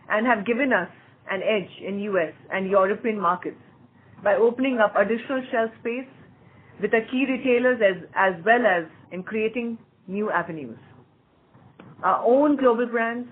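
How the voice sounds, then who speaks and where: A woman with an Indian accent reading a scripted earnings call presentation in a formal, measured way, as a company executive. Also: mid-range voice, husky. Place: conference call. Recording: muffled phone-like conference call line.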